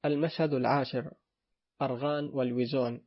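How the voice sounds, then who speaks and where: Husky man reading a play. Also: medium pitch, steady tone, brisk. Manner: plain announcing. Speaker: audiobook narrator. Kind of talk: reading stage directions of a play. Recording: dull lo-fi recording.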